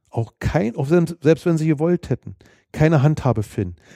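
With lively intonation, a man's fairly high voice carries a dark, mellow tone in a dry, close sound with no echo. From eastern Germany, Brandenburg (Wittenberge). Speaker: former political prisoner. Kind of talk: testimony.

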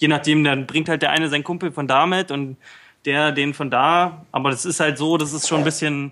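A man speaks in a monotone with flat intonation. The recording is very clean and the background silent. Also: fairly high pitch for a man, moderate pace. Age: 20s. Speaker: hackerspace club member. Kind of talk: casual chat.

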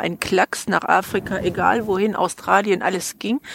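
A woman speaks at a medium pitch and moderate pace with fairly even intonation. The sound is dry and close with no echo, with noticeable background noise. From Germany, Hesse, Rhön border region. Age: 60s. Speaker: tour guide. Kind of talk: guided tour talk.

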